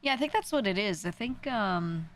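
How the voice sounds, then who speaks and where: Answering her viewers on a casual stream, this young New Yorker rambles, pokes fun at herself and laughs a lot. She speaks at normal speed in an expressive, medium-pitched voice.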